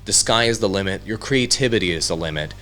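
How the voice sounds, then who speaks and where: A man presenting a casual software tutorial in an upbeat, conversational way, speaking directly to viewers into a studio microphone. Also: sits low, expressive, quick pace, slight background noise. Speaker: tutorial host, content creator. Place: home studio.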